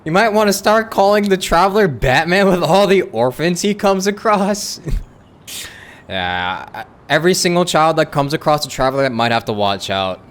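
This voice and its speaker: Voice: medium pitch, expressive, moderate pace. A game streamer giving informal, jokey live reaction commentary. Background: game music.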